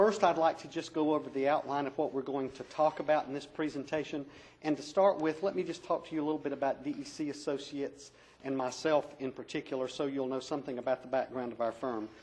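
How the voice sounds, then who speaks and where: A man with a North Carolina accent, talking at a very fast pace with fairly even intonation. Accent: US Southern (North Carolina). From North Carolina, Iredell County. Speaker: financial advisor. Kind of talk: formal presentation. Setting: town council meeting.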